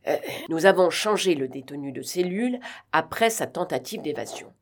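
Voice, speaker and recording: A woman's voice: deep voice, animated, moderate pace. A woman reading the lines of an evasive, hesitant male prison director.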